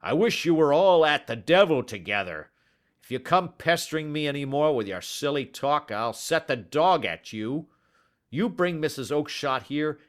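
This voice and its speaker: A man voicing a surly, angry market salesman who shouts gruffly in a storybook reading. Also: fairly low pitch, exaggerated voice.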